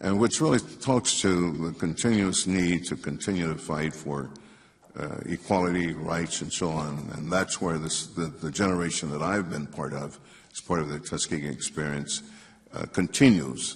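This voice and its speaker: With ordinary pitch variation and a very deep, low pitch, a man talks at a moderate pace as noticeable background noise carries on behind him. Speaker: Tuskegee experience representative. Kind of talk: panel answer. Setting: public symposium with audience. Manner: measured, with fillers.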